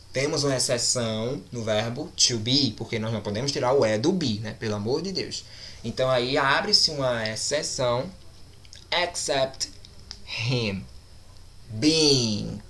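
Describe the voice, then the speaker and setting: A man teaching English grammar in a recorded online lesson, explaining slowly and deliberately and often checking in with his students. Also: mid-range voice, bright, forceful tone. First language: Portuguese.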